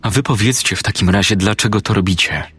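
A man voicing a determined adult woman detective who talks calmly and firmly, in a husky, low voice. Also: fast talker. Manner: calm, firm, persuasive.

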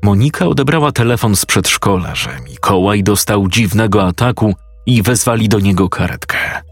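A man narrating a horror story in a measured, storytelling manner. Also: on the low side, expressive, no room sound, faint music behind.

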